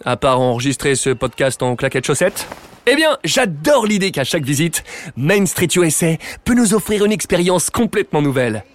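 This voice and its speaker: Playful high-voiced man guiding a tour. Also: sing-song, normal speed. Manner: playful, jokey asides to listeners. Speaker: podcast host and park guide. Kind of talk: scripted audio tour podcast. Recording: music bed behind voice.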